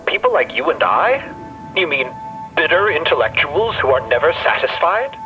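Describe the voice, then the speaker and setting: A man's voice: a little high, very animated, moderate pace, phone-quality sound, over music. A man voicing a sardonic, skeptical robot intellectual in an audio drama, with a robotic filter on the voice. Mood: sardonic, doubting. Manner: grim, sardonic, incredulous. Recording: band-limited robotic radio sound.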